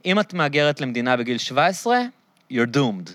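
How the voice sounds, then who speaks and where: A man's voice: medium pitch, lively intonation, fairly bright tone, no echo. An Israeli-accented man speaks in a mid-range voice, recorded dry. He interviews casually, jumping in with explanations and checking for agreement.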